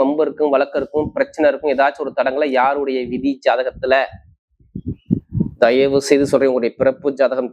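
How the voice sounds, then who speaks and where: A man speaks in a medium-pitched voice. He presents like an astrologer addressing viewers, stressing each point. His phrases come in short bursts, often repeated and stacked into lists. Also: darkish tone, lo-fi sound. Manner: emphatic, repetitive, listing points in short bursts. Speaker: astrologer presenting horoscope forecasts. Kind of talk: monthly horoscope talk to camera.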